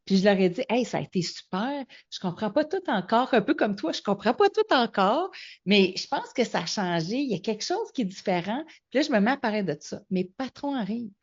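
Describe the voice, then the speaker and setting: A middle-aged woman, Québécois French accent, talks a little fast in a mid-range voice as a guest in a casual interview. Telling her story with animation, she acts out the dialogue she quotes; the audio is lo-fi and slightly muffled.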